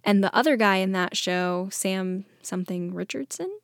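A woman's voice: mid-range voice, moderate pace, gravelly, no echo, studio quality. A woman chatting casually, telling anecdotes in an amused, giggly way and quoting dialogue as she goes. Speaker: podcast co-host telling stories.

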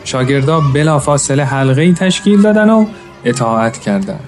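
A man narrating a story in a calm, measured way, now and then addressing his listeners as friends. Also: medium pitch, faint music behind. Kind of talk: scripted narration.

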